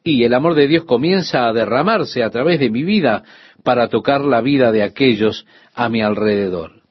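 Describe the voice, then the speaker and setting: A man's voice: medium pitch, moderate pace, slightly rough, dry recording, highs cut off. An older man, a pastor, giving a radio sermon in an earnest teaching tone with rhetorical questions to the listener.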